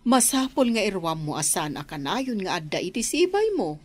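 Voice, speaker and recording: Gentle mom for radio drama, lively pitch, mid voice,. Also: female voice, normal speed. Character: caring mother advising her daughter.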